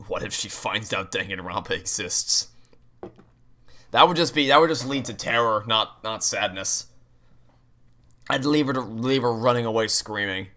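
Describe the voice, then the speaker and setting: A man's voice: fairly low pitch, normal speed, pauses often, pushed and bright. A man giving casual, chatty game commentary in a ranting, exasperated, sweary way. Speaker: gaming streamer playing through a game.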